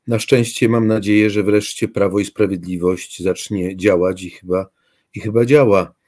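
An older man, a philosophy professor guest on a video call from his study, answering slowly and hesitantly, with frequent filler sounds. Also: lowish voice, steady tone, darkish tone, no room sound, studio quality. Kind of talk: interview answers. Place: home study with bookshelves.

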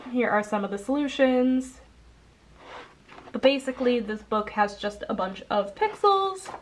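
A young woman who sounds congested, chatting casually as a coloring channel host, rambling with lots of ums and quick self-corrections, recorded indoors at a table. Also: fairly high pitch, fairly bright tone. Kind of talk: casual haul video chat.

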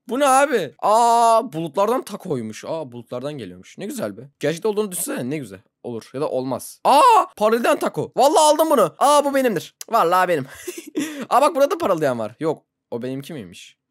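A gaming YouTuber giving casual let's-play commentary, excitable, laughing often and yelping when startled. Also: mid-range voice, fast, no room sound, clean studio sound.

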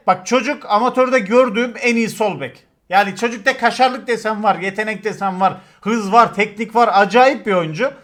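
A man, telling crude football stories to his stream chat in a casual, animated way, swearing and acting out shouts. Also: high-pitched.

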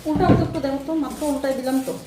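A woman's voice: high-pitched, steady tone, rapid-fire, warm tone, a little hiss or hum. Chatty woman cooking. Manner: chatty, narrates each cooking step aloud. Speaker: family vlogger. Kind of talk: casual cooking narration. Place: home kitchen. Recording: roomy kitchen sound.

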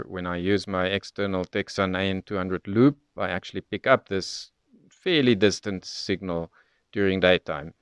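Speaking in a low, smooth voice with no room sound, the presenter of a radio tutorial demonstrates a product without a script. He takes listeners through it methodically, one step at a time.

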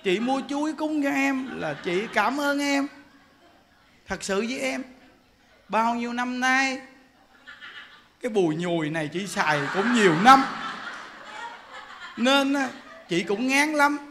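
Brief: soft, slow, mock-sweet wronged wife, done by a high-voiced man. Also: animated, slight background noise, heavily acted. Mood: mock-polite. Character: calm wronged wife, gently sarcastic.

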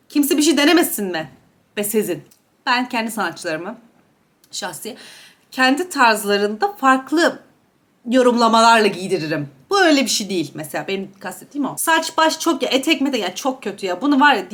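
Young woman, high voice, chatty and gossipy, eating while she talks, casual vlog. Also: very animated, a little fast, fairly bright tone. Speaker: beauty and gossip YouTuber. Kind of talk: casual mukbang chat reviewing celebrity outfits.

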